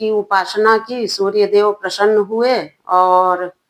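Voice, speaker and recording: A woman's fairly high voice stays monotone and flat throughout. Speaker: religious storyteller. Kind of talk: devotional storytelling. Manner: halting.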